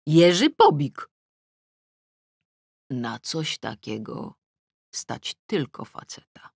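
A middle-aged woman reading a novel aloud in the first person, with wry, lively comic timing. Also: low-pitched, drawn-out words, vocal fry, husky, no room sound, studio quality. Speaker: audiobook narrator. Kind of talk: first-person audiobook narration. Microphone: close studio mic.

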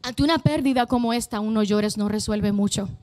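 A woman's voice: fairly high pitch, fairly quick, darkish tone, no room sound. A woman preaching a fervent sermon to a church congregation, using emphatic repetition and calling out to the people.

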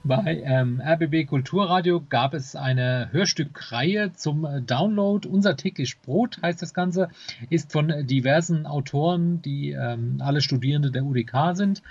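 Male co-host, mid-pitched and rough-edged, informal announcement style, slightly muffled lo-fi audio. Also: a little slow, darkish tone, no echo. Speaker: podcast co-host. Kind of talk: casual podcast announcements of new releases. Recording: slightly dull, lo-fi sound.

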